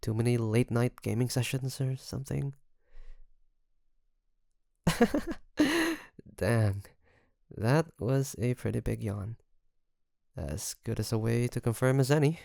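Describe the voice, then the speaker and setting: A man acts out a young male best friend in an intimate roleplay, caring but nervous. His voice is gravelly at the edges and very dry and close. He speaks slowly and haltingly, as if to one listener. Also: mid-range voice, sing-song, dry recording, full character voice. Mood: caring, teasing. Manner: hesitant, halting, soft nervous chuckles. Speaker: voice actor.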